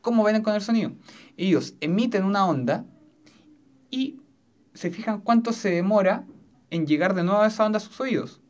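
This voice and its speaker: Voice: mid-range voice, animated, moderate pace, pauses often, darkish tone. A teacher giving a recorded physics lesson in a foam-lined studio. They explain step by step and keep checking that the students follow. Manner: explanatory, often checks understanding.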